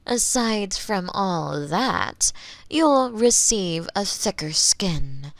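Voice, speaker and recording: Woman playing a female mad scientist, sadistic and fascinated, very animated pitch, slow savoring delivery, dry close-up ASMR sound. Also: gravelly, dry recording, full character voice. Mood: enthusiastic, clinical. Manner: theatrical, savoring, gloating, lapsing into whispers and giggles. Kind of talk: ASMR roleplay, theatrical monologue to the listener. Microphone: close binaural microphone.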